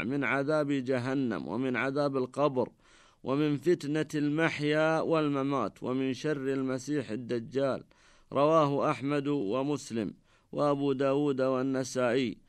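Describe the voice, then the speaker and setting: A man presenting a radio lesson on Islamic law, reading texts in a measured, formal manner. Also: medium pitch, clear, resonant tone, no room sound, studio quality. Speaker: Islamic scholar presenting a jurisprudence program. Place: radio studio.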